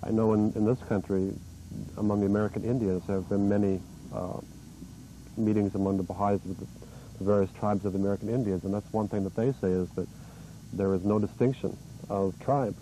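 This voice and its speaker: A man hosting a local TV interview show, asking questions gently and affirming his guest often. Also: on the low side, steady tone, fairly quick, rough recording. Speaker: host. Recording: 1980s cable TV studio tape, faint noise.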